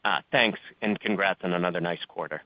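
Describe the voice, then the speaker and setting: A man's voice: sits low, fairly quick, no echo. A man working as a financial analyst, putting questions to executives on an earnings call with dull audio.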